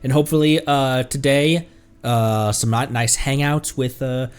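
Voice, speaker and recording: A man's voice: mid-range voice, steady tone, measured pace, clean tone, faint music behind. A man chatting casually on a live game stream, thanking viewers and laughing often.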